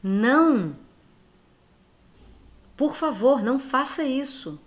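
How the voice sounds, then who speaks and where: A woman's voice: sits high, animated, slow pace. A woman from Brazil who has a cold, giving an earnest, emphatic talk straight to her listeners and urging them to act. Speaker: speaker giving reflections to followers. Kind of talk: direct-address motivational talk.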